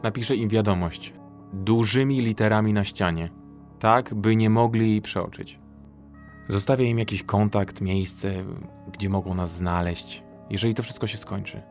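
A man's voice: fairly low pitch, steady tone, a little slow, darkish tone, faint music behind, lightly acted. An actor playing a practical, protective young male survivor in an audio drama, speaking in a serious, composed manner. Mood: subdued, resolved.

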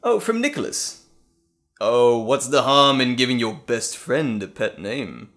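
Evil alter ego villain, gloating n mocking, super theatrical, drags words out, voice swings all over. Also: male voice, mid-range voice, very animated, fairly bright tone. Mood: gloating, teasing. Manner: mocking, drawn-out, theatrical delivery with chuckles. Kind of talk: dramatic audio roleplay.

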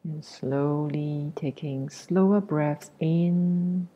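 A woman leading a guided meditation as a teacher, speaking gently with long pauses in a soft, breathy voice that nears a whisper. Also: deep voice, dull audio. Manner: gentle, unhurried, long pauses between short phrases.

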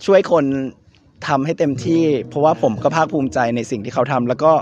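A young man, an actor, answering questions at an outdoor night event in an earnest, measured way. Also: fairly high pitch, dull audio. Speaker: actor guest. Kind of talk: event red-carpet interview. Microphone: handheld mic.

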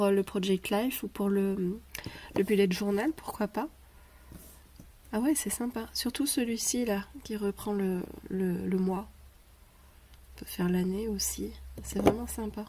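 A woman's voice: mid-range voice, very noisy. A woman with a cold and a stuffy voice, chatting casually as she unboxes craft gifts on camera and hesitating often. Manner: hesitant, many pauses and "euh" fillers. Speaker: craft vlogger. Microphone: camera over a tabletop, speaker off-frame. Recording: paper crinkling and clicks behind.

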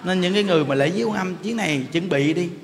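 A Buddhist monk, telling stories in a casual, animated sermon that speaks straight to his listeners. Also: sits high, very fast, a crowd in the background. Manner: animated, laughing, addresses listeners directly. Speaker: Buddhist monk giving a dharma talk. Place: temple hall. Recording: reverberant hall, faint background noise.

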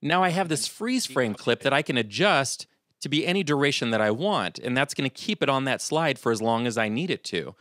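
Middle-aged guy talking you thru editing steps, calm and steady, dry close sound, mid pitch. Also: fairly quick, no echo. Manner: calm step-by-step explaining. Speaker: video tutorial host. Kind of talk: screen-recorded software tutorial.

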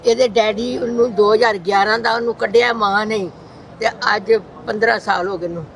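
A woman's voice: medium pitch, fairly even intonation, moderate pace, a bit bright, slight background noise. An older woman, a grandmother, speaking in a pleading, tearful way.

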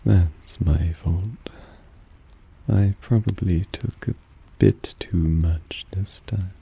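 Man as a deep, slow, doting vampire. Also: steady tone, vocal fry, husky, heavily acted. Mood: fond, teasing. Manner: soft, teasing, soothing, often whispering. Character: suave, possessive, doting male vampire. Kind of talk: intimate ASMR roleplay.

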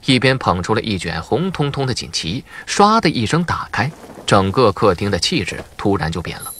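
Lively, slightly husky male narrator. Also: mid-range voice. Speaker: audiobook narrator. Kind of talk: expressive scripted narration.

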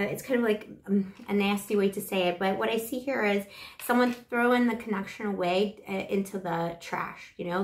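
A woman with a flu-hoarse voice giving a playful, rambling tarot reading to camera on a lapel mic. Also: medium pitch, roomy sound. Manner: gushing, playful, rambling with fillers. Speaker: tarot reader. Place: small bedroom with kitchenette. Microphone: clip-on lapel mic.

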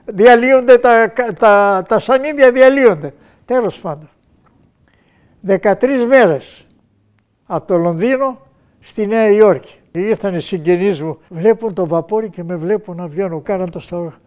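An older man from Macedonia, a retired heart surgeon, reminiscing in a lively way and acting out past conversations with shifting voices. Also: high-pitched, smooth. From Macedonia, Greece. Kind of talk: reminiscing storytelling.

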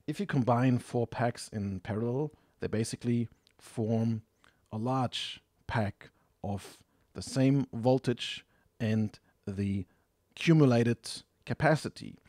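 A man's voice: mid-range voice, takes it slowly, darkish tone, no echo, clean studio sound. A man narrating a hands-on technical tutorial in a methodical, explanatory, matter-of-fact manner. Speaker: tutorial presenter.

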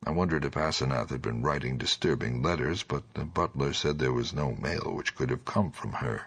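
Horror audiobook narrator: male, extremely deep, gravelly and husky, forceful edge. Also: moderate pace. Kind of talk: scripted horror story narration.

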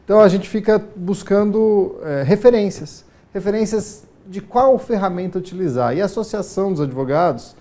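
A man in his forties answering a TV interviewer in formal, measured speech with frequent hesitant fillers, recorded on a lapel mic in a news studio. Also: sits high, lively intonation, mellow. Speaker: studio guest, lawyer.

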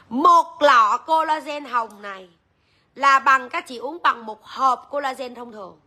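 A woman's voice: fairly high pitch, sharp tone. A woman, chatting straight to viewers as she sells jewelry on a livestream. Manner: chatty, addresses viewers directly. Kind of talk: live-selling chat.

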